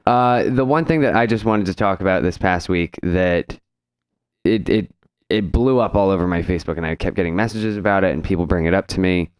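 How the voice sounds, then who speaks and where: A man in his thirties co-hosting a hairdressing podcast in a salon, chatting casually into a boom mic and acting out what clients say. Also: a little fast, clean tone, no echo. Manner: storytelling, acts out quoted clients. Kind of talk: casual chat. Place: salon studio. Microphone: studio mic on boom arm, headphones.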